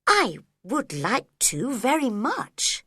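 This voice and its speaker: A polite, curious young girl in a storybook, played by a woman reader. Her voice lifts into questions with lively swings of pitch, slow and bright. The recording is dry and close. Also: breathy edge, dry recording, exaggerated voice.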